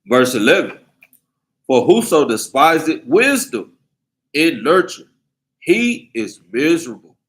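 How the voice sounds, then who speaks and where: A man reading scripture aloud in a deliberate, measured way during a bible class. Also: a little high, big pitch swings, fairly bright tone. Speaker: scripture reader.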